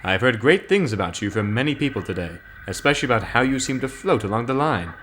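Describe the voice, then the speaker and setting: A man's voice: medium pitch, very animated, fast talker, a bit bright, a little hiss or hum. A man voicing a firm but fair middle-aged railway boss in a formal, authoritative manner, in a storybook reading. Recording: music playing clearly behind.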